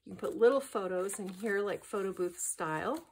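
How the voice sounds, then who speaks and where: A middle-aged woman presents a paper craft project at her table, chatting in a friendly, enthusiastic way. Her voice sits at an ordinary middle pitch, and she keeps her talk relaxed and casual. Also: moderate pace, breathy edge. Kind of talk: casual craft show-and-tell.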